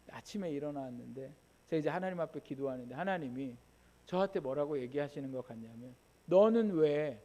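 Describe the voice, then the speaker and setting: High-voiced male pastor, echoing church. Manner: conversational preaching with rhetorical questions and personal stories. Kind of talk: sermon. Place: church sanctuary. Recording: church hall with long reverb.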